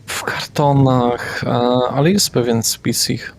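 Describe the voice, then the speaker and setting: A man running a tabletop vampire game as game master, describing scenes deliberately with pauses and fillers. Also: medium pitch, a little hiss or hum.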